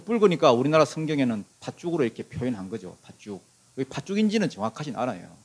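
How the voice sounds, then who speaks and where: A man's voice: medium pitch, sing-song, quick pace, breathy edge. A middle-aged male pastor, preaching a sermon and asking the congregation questions, acting out the quoted lines of the story himself. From Korea.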